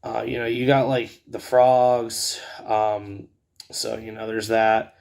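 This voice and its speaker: Casual male tutorial host, gravelly and scratchy, rambling and hesitant in delivery. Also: fairly low pitch, monotone, slow, a little mellow. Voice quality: scratchy, raspy. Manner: rambling, hesitant, filler-heavy. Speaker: host of a card game video channel.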